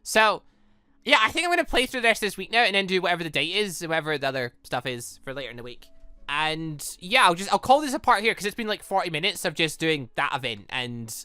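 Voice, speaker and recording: A gaming host with a bright, forceful voice that swings up and down a lot. The delivery is rambling and theatrical, full of exclamations, and the sound is close and dry. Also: mid-range voice, sing-song, quick pace, clean tone, no echo. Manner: rambling, self-confessed ranter. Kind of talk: excitable let's play commentary with read-aloud dialogue.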